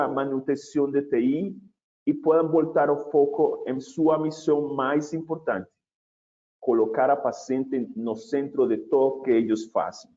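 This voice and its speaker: A man opening and presenting a webinar in a measured, deliberate way, with occasional restarts. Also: medium pitch, warm tone, dull audio.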